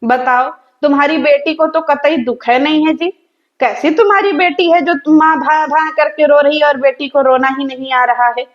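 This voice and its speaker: A woman's voice: sits high, fairly even intonation, normal speed, muffled recording. A young woman, hosting a reaction video and mockingly roasting in sarcastic rambling rants.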